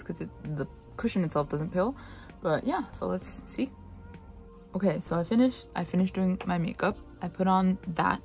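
A woman's voice: lowish voice, a little mellow. Chatty slangy woman beauty vlogger. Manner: chatty, slangy, playful asides. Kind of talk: casual product review vlog.

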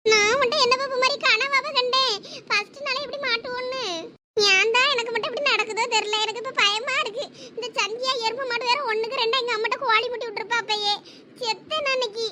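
A woman's voice: extremely high pitch, fairly even intonation, fast, bright, forceful tone, a little hiss or hum. A young woman playing a frightened college student caught lying to her father, anxious and pleading. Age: young adult. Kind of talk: village comedy skit acting.

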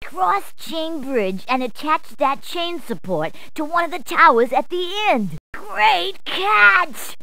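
A woman's voice: high voice, very animated, takes it slowly, creaky, few pauses, pushed and bright, dry recording, heavily acted. A woman voicing a cheerful female police officer in a video game, delivering short punning quips and hints in a chirpy manner. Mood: upbeat. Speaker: in-game helper character.

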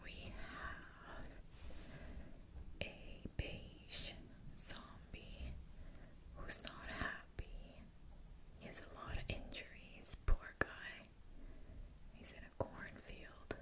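A woman whispering softly into a close studio mic for an ASMR video, slowly repeating words. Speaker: ASMR creator. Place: small dim room indoors. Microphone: large studio mic close up.

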